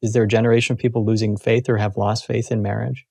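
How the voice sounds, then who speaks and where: A man's voice: fairly low pitch, flat delivery, fast talker, vocal fry, darkish tone, no echo, studio quality. A man hosting a podcast, interviewing in a conversational way.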